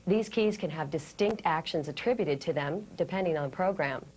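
An American woman in her thirties presenting a scripted training lesson, explaining things clearly step by step. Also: on the low side, brisk, darkish tone, rough recording. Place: indoor studio set.

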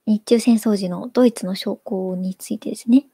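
Soft-spoken woman reading viewer comments. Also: medium pitch, fairly even intonation, normal speed, breathy edge, no echo, clean studio sound. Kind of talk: casual live-stream chat.

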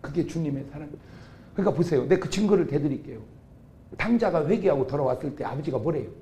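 A middle-aged man preaching a humorous revival sermon, acting out quarrels between couples in sudden loud outbursts. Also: fairly high pitch, expressive, fast talker, a little hiss or hum. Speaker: pastor.

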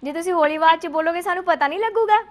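Young female TV host, high and quick, playful with callers, studio lapel mic. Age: young adult. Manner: bubbly, teasing, frequent "right?" tags. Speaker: TV show host. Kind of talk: casual chat.

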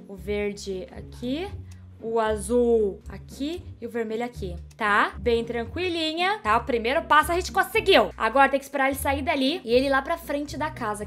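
A young Brazilian woman with a Brazilian Portuguese accent, narrating a stealth game in excitable, panicky running commentary to herself. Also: fairly high pitch. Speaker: gaming YouTuber. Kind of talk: let's-play commentary.

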